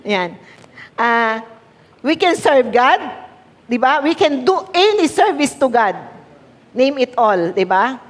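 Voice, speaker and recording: A woman's voice: high voice, very animated, slow, long pauses. A woman pastor with a Filipino accent preaching a sermon, switching between Tagalog and English, repeating key words for emphasis and calling on the congregation to answer. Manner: mixes Tagalog and English, asks the congregation for responses. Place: church hall. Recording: long hall reverb.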